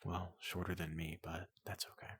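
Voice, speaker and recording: A man voicing a tall, gentle robot doctor in soft ASMR roleplay, hesitant and politely clinical, often slipping into a whisper, close to the microphone. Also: sits low, little pitch movement, moderate pace, no echo, exaggerated voice. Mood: calmly clinical. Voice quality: breathy, gravelly, often dropping into whisper.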